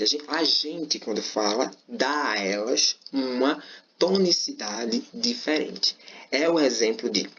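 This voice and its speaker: A man's voice: medium pitch, fairly bright tone. A man teaching a Portuguese grammar lesson in an informal, explanatory way, often checking in with "certo?" and "beleza?". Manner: informal, repeats himself while explaining. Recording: slightly dull lo-fi recording.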